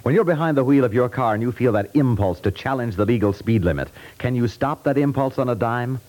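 An American man announcing a scripted 1950s radio public service message, measured and persuasive. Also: mid-range voice, lively intonation, darkish tone.

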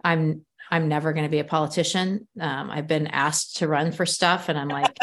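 Woman host, lowish voice, blunt and swears, laughs a lot. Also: steady tone. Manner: frank and swears, quick to laugh. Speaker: podcast host. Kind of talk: casual podcast chat.

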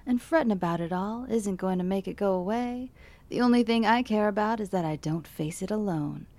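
A woman's voice: mid-range voice, fairly quick, darkish tone, close to an everyday voice. A woman playing an easygoing, reassuring late-night radio DJ with folksy patter. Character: calm woman radio DJ on the air.

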